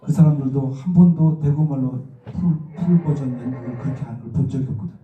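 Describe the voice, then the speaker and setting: A middle-aged actor from a rural area near Daegu, South Korea, speaks with a Daegu accent as a guest lecturer to students, animatedly telling stories and acting out what people said. His mid-range voice is fast and far from the mic, with soft background music. The lecture hall recording is echoey, distant, and muffled.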